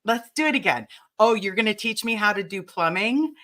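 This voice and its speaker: A woman with a raspy voice hosting a casual livestream chat and talking straight to her viewers. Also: medium pitch, fairly quick. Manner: chatty and animated, addresses the chat directly. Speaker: livestream host.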